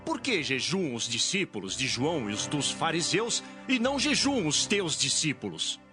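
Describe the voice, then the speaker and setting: A man's voice: fairly high pitch, big pitch swings, normal speed, music in the background. A man playing a formal, challenging questioner in a dramatized audio Bible.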